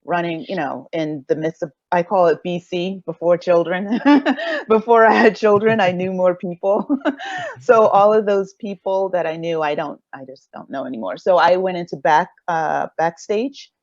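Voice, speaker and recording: A woman's voice: fairly low pitch, moderate pace, darkish tone, dry recording, lo-fi sound. A middle-aged woman speaking as a creator on a casual panel, rambling and thinking aloud hesitantly. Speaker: audio drama creator on a panel.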